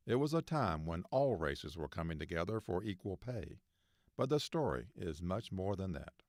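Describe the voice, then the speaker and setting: A man's voice: low voice, big pitch swings, normal speed, a little mellow, no room sound, clean studio sound. A man reading scripted narration as the reporter of a feature story.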